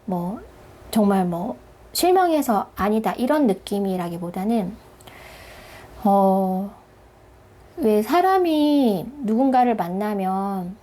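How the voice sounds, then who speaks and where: A woman hosting a tarot reading, speaking gently and softly to viewers, with pauses as she gathers her phrases. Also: medium pitch, lively intonation. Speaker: tarot reader, channel host. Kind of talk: soft-spoken tarot reading addressed to viewers.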